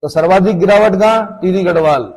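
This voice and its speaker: Husky-voiced male coaching teacher. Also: high-pitched, brisk, darkish tone, poor audio. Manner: conversational, asks questions and answers them himself. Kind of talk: classroom lecture.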